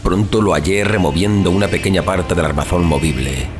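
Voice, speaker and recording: A man's voice: deep voice, brisk, noisy background. A man reading a horror tale as a dramatic audiobook narration, in a solemn, literary and theatrical delivery. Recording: music under the voice. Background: music.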